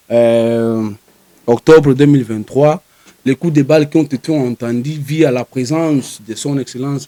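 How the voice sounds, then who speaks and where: A man's voice: mid-range voice, dark tone, no room sound. Dry-sounding Congolese man speaking formally. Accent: Congolese French. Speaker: spokesperson for a community organisation. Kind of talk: formal press conference statement.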